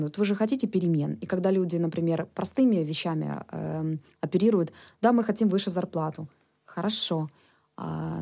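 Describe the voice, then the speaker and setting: Mellow low-voiced woman, Ukrainian native. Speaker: government official, guest. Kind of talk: interview answers, explanatory.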